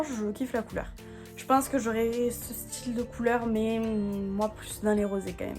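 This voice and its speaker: A woman's voice: mid-range voice, a little mellow. A woman presenting nail colours in a casual, enthusiastic chat, with many fillers and stumbling over English colour names she reads from a screen. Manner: chatty, enthusiastic, many fillers and repeated praise. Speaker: beauty vlogger. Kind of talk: casual product showcase.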